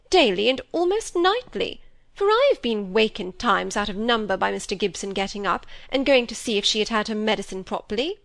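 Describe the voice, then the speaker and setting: A woman reads as a fretful middle-aged stepmother in a spoken storybook, fussing and complaining in a lively, nagging way, pitched a little above the reader's own voice. The sound is dry and close, with no room around it. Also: no echo. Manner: complaining, talks over others. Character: fussy self-pitying middle-aged stepmother.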